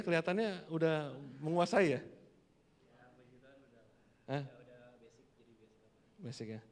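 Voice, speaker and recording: A male pastor, telling a family story in an animated sermon and acting out the dialogue. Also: a little high. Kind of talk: storytelling sermon to a youth service. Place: church hall. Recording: long hall reverb.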